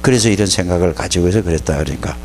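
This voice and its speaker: A man's voice: sits low, rapid-fire, gravelly, slight background noise. A man preaching a sermon to young people as their pastor, telling stories and scolding them in plain words. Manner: animated, scolding, plain-spoken storytelling. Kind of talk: sermon to youth.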